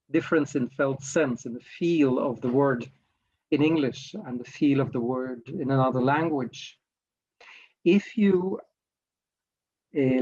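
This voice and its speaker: A workshop facilitator from Norway, Norwegian by first language, reflects slowly and hesitantly, regularly searching for words. His medium-pitched voice is a little mellow, and the highs are missing from the recording.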